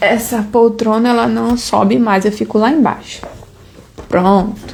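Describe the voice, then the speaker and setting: A quiet woman with fairly high pitch, fairly even intonation and very even loudness at a fairly slow pace, with noticeable background noise. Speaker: tarot reader streamer. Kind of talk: live stream commentary. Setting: live stream. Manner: softened, quieter voice; tends to sound like shouting.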